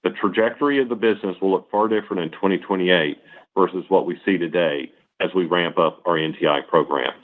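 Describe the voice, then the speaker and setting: Low-voiced executive on a tinny phone line. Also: male voice. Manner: formal, measured, enumerating points. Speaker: company executive on earnings call. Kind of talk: scripted corporate presentation. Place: conference call line.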